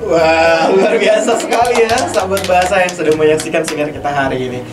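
A man's voice: on the high side, quick pace. A man, hosting an interview podcast. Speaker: podcast host. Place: small padded indoor podcast studio. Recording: roomy studio, distant mic, music behind.

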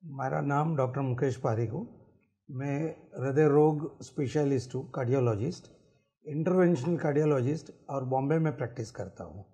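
A man's voice: mid-range voice, moderate pace, mellow. A middle-aged man, a cardiologist, giving explanatory answers in a TV studio interview and mixing English phrases into his speech. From Mumbai. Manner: mixes English phrases into Hindi, lists symptoms and risks. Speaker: cardiologist guest. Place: TV studio set.

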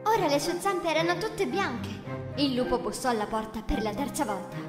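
A woman narrating a children's fairy tale in an expressive storytelling voice. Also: sits high, moderate pace. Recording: echoey, reverberant room with music.

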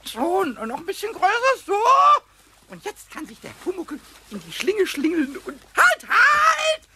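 A cheeky little kobold in a children's radio play. The voice is extremely high and piercingly bright, leaping about as it stammers and boasts. There is faint noise from an old cassette recording. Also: male voice, unhurried, exaggerated voice. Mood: panicked. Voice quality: squeaky, shrill. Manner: stammering, repeating words in excitement.

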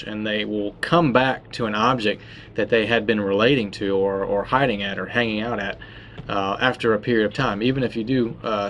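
A Florida man in his thirties, host of a tackle shop, talks casually about fishing tactics, relaxed and conversational, with lots of uh fillers and restarts. His voice is fairly low, and there's a little hiss or hum in the recording.

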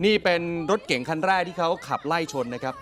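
A man anchoring an evening news show in a lively, exclaiming, conversational way, speaking straight to the viewers. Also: fairly high pitch, quick pace. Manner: animated, exclaiming, addresses viewers directly.

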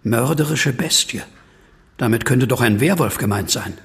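A man's voice: medium pitch, moderate pace, vocal fry, fairly bright tone, husky, full character voice. An actor playing an anxious, troubled man who fears he is a werewolf, brooding and hesitant, in a horror audio drama. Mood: uneasy.

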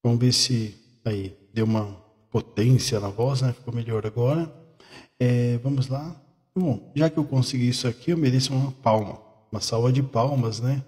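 A man's voice: mid-range voice, fairly even intonation, moderate pace, a little mellow. A man hosting a live stream, joking and laughing often, his voice run through an added echo effect. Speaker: channel host testing equipment. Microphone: new studio microphone on a stand. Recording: long echo effect, applause sound clips.

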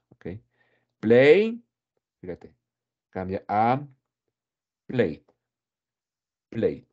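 Male English teacher, low mellow voice, slow patient drills, slightly muffled recording. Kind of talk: English grammar lesson explained in Spanish.

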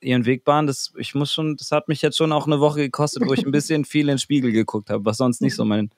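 A man's voice: mid-range voice, steady tone, fast talker, no echo. A man, hosting a podcast interview in a casual, slightly nervous, chatty way. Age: 30s. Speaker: podcast host.

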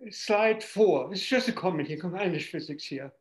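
A man's voice: sits high, lively intonation, moderate pace. Terse man with short remarks in a roomy call. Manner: terse, repetitive remarks with "here" and "right?". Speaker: audience member asking questions. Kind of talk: questions during a video colloquium. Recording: roomy video call audio.

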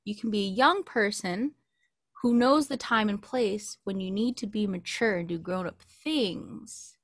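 Podcast co-host: American woman, late twenties, casual anecdotal delivery, mid-pitched, close and dry. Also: measured pace, no room sound. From California, United States. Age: late 20s. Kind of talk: casual chat, personal anecdotes. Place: small indoor home recording setup. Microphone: close studio mic with pop filter.

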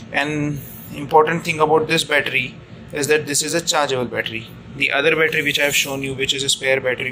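Guy doing a informal how-to demo, gravelly n pretty flat, keeps rewording stuff, noisy phone audio. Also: mid-range voice. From India. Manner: halting, repeats and rephrases himself. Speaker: ship officer giving an equipment tutorial. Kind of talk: informal hands-on demonstration. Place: indoors at a chart table aboard ship. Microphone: handheld phone camera mic. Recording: noisy room, amateur phone video. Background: steady room noise.

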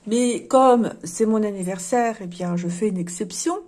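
A woman's voice: mid-range voice, unhurried, darkish tone. A woman hosting a casual card-reading video, talking to her viewers in a chatty way with wry asides and lots of fillers. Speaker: card reader.

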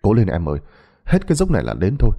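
A man voicing a flustered young husband who rushes and stammers, shouting in a storybook tale. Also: on the low side, wildly swooping pitch, vocal fry, full character voice. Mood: frantic.

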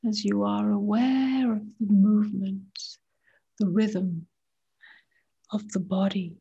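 A woman meditation teacher guiding a practice in a soft, hushed voice that often nears a whisper, with short unhurried phrases. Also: medium pitch, fairly even intonation, vocal fry, slightly rough, lo-fi sound. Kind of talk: guided meditation, slow and gentle with long pauses.

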